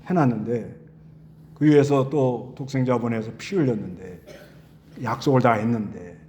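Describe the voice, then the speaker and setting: A man's voice: medium pitch, normal speed, darkish tone, a little hiss or hum. A middle-aged male pastor giving a conversational sermon and putting questions to the congregation.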